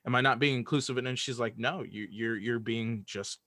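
A man chatting casually as an interview guest, speaking in an animated way and often stammering and restarting his phrases. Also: mid-range voice, a little fast, no room sound, studio quality. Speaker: audio drama creator and writer, interview guest.

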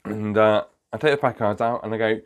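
A man's voice: lowish voice, steady tone, fast talker, dull audio. A man hosting his own podcast as a magician, casually telling a funny story, laughing often and wandering off topic. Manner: chatty, laughs often, digresses.

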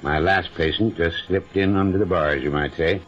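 A man's voice: low-pitched, fairly even intonation, moderate pace. A male actor in an old-time radio drama playing a genial but evasive retired country doctor, folksy, soothing and insistent. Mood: genial, reminiscing. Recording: muffled vintage radio recording with music behind.

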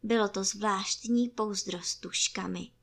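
A woman reads a children's book aloud in a calm, gentle storytelling voice. Her middling pitch has a gravelly, creaky texture.

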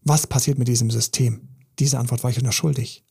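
A man's voice: medium pitch, fairly even intonation, a little fast, gravelly, darkish tone, breathy edge. A man, a relationship coach giving an emphatic, intense podcast monologue full of repetition.

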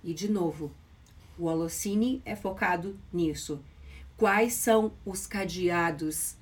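A woman's voice: on the low side, slow pace. Emphatic woman mental coach. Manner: emphatic and repetitive, stressing key phrases. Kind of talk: motivational podcast lesson.

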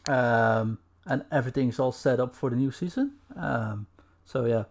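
A man hosting a casual video podcast over a call, relaxed, laughing often and filling pauses with "uh". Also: medium pitch, vocal fry. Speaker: podcast host.

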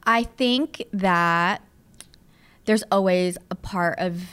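A woman's voice: on the low side, slow pace, a bit bright, clear, resonant tone. Chatty woman in her thirties. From born in the Philippines, raised in Southern California. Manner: chatty, with frequent fillers and asides. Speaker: guest, producer and studio owner. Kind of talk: casual interview chat.

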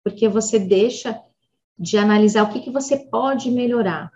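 A woman with a Brazilian Portuguese accent, giving instructive advice on public speaking as a communication coach, deliberately shifting her pitch and pace for emphasis. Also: warm tone, highs cut off. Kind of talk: instructive podcast talk.

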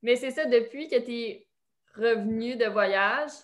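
A woman's voice: fairly high pitch, slow. Supportive Québécois woman chatting casually. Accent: Quebec French. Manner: supportive, encouraging. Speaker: interviewer. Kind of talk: casual chat, French mixed with English slang.

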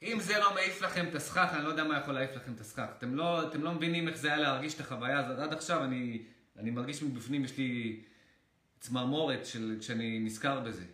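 Bright-voiced man in an echoey room. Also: medium pitch. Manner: animated, retells with excited outbursts and swearing. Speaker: motivational creator. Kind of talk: casual storytelling to viewers.

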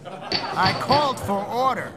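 A man's voice: sits high, expressive, slow, heavy background noise. An actor playing a pompous, testy council chairman, officious and formal, in a 1940s-style radio drama. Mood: officious, impatient.

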